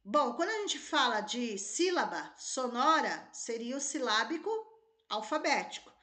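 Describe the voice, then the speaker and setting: A woman's voice: fairly high pitch, very animated, unhurried, sharp tone. Brazilian woman teacher talking through test questions. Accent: Brazilian Portuguese. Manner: thinks aloud, rechecks answers, tags lines with "né?" and "tá?". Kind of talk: exam-prep lesson, reading and solving test questions.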